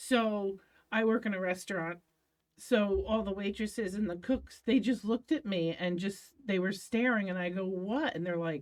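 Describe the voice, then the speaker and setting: A woman speaks at a moderate pace with a medium pitch. Her pitch varies in an ordinary way. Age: 50s. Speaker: cancer survivor, restaurant worker. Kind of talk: casual interview. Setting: studio. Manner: animated.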